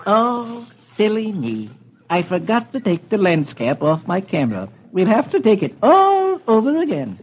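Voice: medium pitch, huge pitch swings, measured pace, slight background noise. A performer voicing a bumbling male photographer who talks hesitantly and fussily, on a dull old radio recording. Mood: fussy. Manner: hesitant, fussy.

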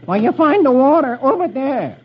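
A man's voice: very high-pitched, big pitch swings, normal speed, a little hiss or hum, pitched above the performer's own voice. A man voicing a lazy, wisecracking young army private with an easygoing, wry manner. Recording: dull old radio recording.

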